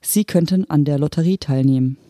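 A reader voicing an unfeeling hologram official who speaks in a calm, matter-of-fact, bureaucratic manner. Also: mid-range voice, fairly quick, no echo, clean studio sound, lightly acted. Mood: detached. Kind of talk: audiobook character voice.

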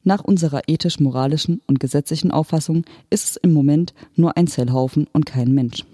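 A reader voicing an unfeeling hologram official who speaks in a calm, matter-of-fact, bureaucratic manner. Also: medium pitch, brisk, no echo, studio quality, close to an everyday voice. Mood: detached. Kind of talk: audiobook character voice.

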